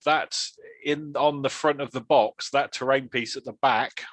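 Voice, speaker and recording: A man co-hosting a casual hobby chat in a relaxed, joking way. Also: medium pitch, a little slow, no echo, poor audio. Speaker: podcast co-host.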